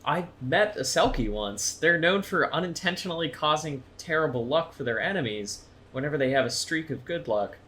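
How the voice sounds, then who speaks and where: A man's voice: a little high, lively intonation, moderate pace, hardly any pauses, fairly bright tone, slight background noise. A man playing a thoughtful monster investigator in an audio drama, explaining things in a tentative way. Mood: curious. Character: Reese, thoughtful, well-informed male monster investigator. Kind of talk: naturalistic audio drama dialogue.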